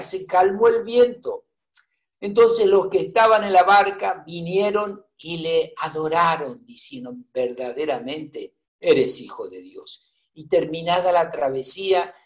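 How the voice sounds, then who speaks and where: Man, preacher, Bible reading with commentary, unhurried delivery, hesitant fillers. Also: sits high, dull audio. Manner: reads scripture aloud, adds joking asides and hesitant fillers.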